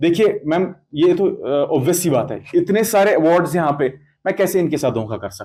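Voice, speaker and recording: A man's voice, high in pitch. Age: 30s. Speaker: cricket commentator. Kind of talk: interview.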